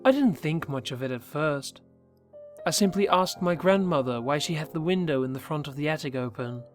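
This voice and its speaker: Male horror narrator, fairly high voice, measured and hushed in the tense bits, faint music bed. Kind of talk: scripted horror story narration.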